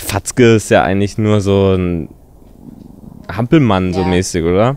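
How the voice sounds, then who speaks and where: A man's fairly low voice, relaxed in tone, at a fairly slow pace with ordinary pitch variation, dry with no echo and light background noise. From Bavaria. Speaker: rapper. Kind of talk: interview answer. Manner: casual, relaxed. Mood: relaxed, animated, joking. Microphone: handheld.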